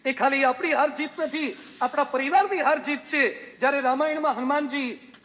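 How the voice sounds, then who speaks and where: A man, a swami, giving a sermon full of homely anecdotes and gentle humor. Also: extremely high pitch, moderate pace, in a large hall, a little hiss or hum. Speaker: swami preacher.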